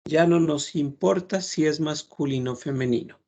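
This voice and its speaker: A man teaching a French lesson, explaining patiently and repeating words slowly to model pronunciation. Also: fairly high pitch, darkish tone.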